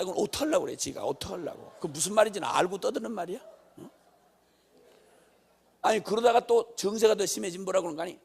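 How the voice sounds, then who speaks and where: A male missionary preacher delivers an impassioned sermon. His voice sits high and jumps around a lot, with a gravelly, husky edge. He drops to near-whispers, climbs to shouts, and acts out the complaints of the people he describes. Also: big-room sound. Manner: impassioned, swings from quiet asides to shouting.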